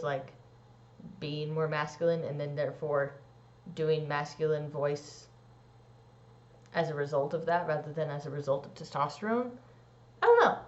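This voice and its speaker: A young trans man vlogging a casual personal update, rambling with lots of "like" and "um" and swooping into squeaky high bits. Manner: rambling, many likes and ums. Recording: dull lo-fi sound.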